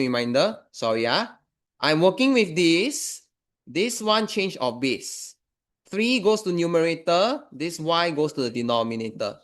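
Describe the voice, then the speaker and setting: A man's voice: mid-range voice, fairly bright tone. A man with a Singaporean accent teaching a maths revision lesson in colloquial Singlish, instructing step by step and putting questions to his students. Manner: colloquial Singlish with particles like lah and ah; instructive, poses questions to students and answers them. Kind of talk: informal revision lesson, explaining worked steps.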